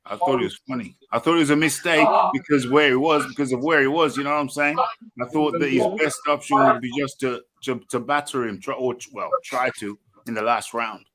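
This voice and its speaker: A man hosts a boxing talk show in a lively, informal way. He stumbles over his starts and repeats his agreement. His pitch sits in the middle. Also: a crowd in the background, poor audio. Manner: lively, stammering restarts, quick affirmations. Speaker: host.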